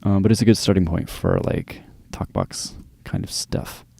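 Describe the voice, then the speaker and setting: A man giving a casual, unscripted music software tutorial, explaining in a loose, halting, informal way. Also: deep voice, huge pitch swings, creaky, no room sound, studio quality. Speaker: music production tutorial presenter. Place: indoors, close dry voice-over of screen recording.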